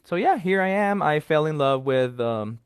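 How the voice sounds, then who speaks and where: A man's voice: on the high side, animated, moderate pace, clean tone, no echo. A man in his twenties from Guatemala who teaches English, speaking with a Guatemalan Spanish accent as a friendly, upbeat guest on a live stream. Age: 20s. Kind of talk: casual live-stream chat.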